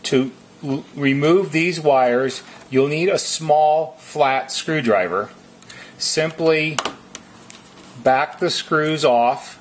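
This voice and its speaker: A man giving methodical, step-by-step instructions as a repair technician, in a deliberate how-to narration. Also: fairly high pitch, a little hiss or hum.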